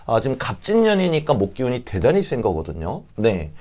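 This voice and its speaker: A man with a slightly hoarse, catching throat, explaining things politely and informally as an advisor speaking to parents. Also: mid-range voice, wildly swooping pitch, fairly quick, a little mellow. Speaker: fortune-telling advisor, channel host. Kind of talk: informal explanatory talk to camera.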